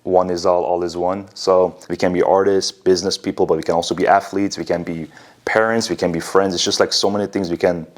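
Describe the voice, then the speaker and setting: A man from Iran hosts a podcast in a very low voice. He talks quickly, in loose, relaxed phrasing full of fillers. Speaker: podcast host. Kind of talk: casual conversational interview.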